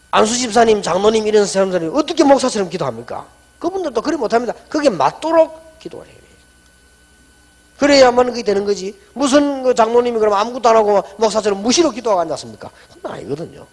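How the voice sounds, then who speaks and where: A middle-aged man, a pastor, preaching a sermon in a lively storytelling way, often dropping soft and low when he quotes people. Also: in a large hall.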